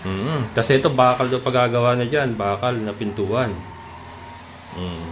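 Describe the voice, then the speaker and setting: A man vlogging a casual walking tour of a land development outdoors, chatty and quick to laugh as he points things out to his viewers. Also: medium pitch. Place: outdoors at a rural lot by a road. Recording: outdoor phone recording with loud traffic noise.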